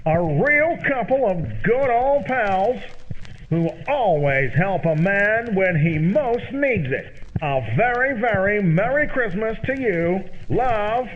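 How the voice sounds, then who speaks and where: A dull, lo-fi radio comedy recording of a short, sly moocher with a high voice. He is folksy and elaborately polite, wheedling and flattering in repeated, old-fashioned phrases. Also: takes it slowly, a little hiss or hum. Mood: folksy, chummy.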